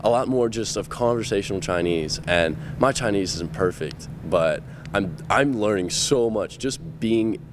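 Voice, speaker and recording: A young man who works as a camp counselor talks eagerly in a fairly low voice, rushing and restarting his phrases. Faint outdoor noise runs behind him. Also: lively intonation. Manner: enthusiastic, quick, with restarts. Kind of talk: news interview.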